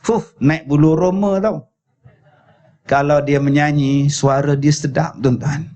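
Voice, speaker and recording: Slow-talking Malaysian preacher. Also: male voice, fairly high pitch, fairly even intonation, mellow, highs cut off. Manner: storytelling, addressing audience as tuan-tuan. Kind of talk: religious lecture. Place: lecture at a school.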